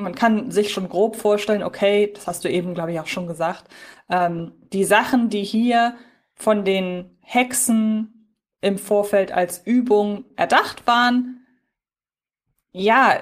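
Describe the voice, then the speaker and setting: A woman chatting casually as a podcast host, giving a review. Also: mid-range voice.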